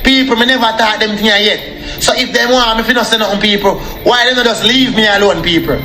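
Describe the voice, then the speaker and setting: Speaking a little fast with a roomy sound, a young man's high voice carries a Jamaican accent. His live stream is an angry, repetitive rant, with him repeatedly calling out to viewers as people.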